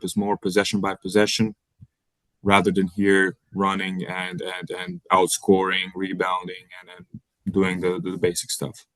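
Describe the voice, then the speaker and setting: Young bosnian guy, english isn't his first language, stumbles and repeats a lot, flat delivery, dry close sound. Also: low voice, no echo. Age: young adult. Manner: halting, repeats words often while searching. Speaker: college basketball player, guest. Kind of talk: interview answers.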